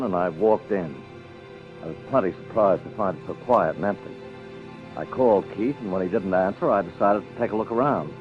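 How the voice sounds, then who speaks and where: A man's voice: sits low, natural voice. A man playing a slick, defensive theatrical agent in a 1950s-style detective radio play, eager and protesting. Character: glib, defensive male Broadway theatrical agent, catty. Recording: dull lo-fi radio drama, faint music.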